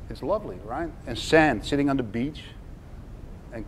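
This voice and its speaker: A man speaks with ordinary pitch variation. There is light background noise. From Netherlands, Amsterdam. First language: Dutch. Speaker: natural history artist; speaker. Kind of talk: seminar talk. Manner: halting. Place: hall.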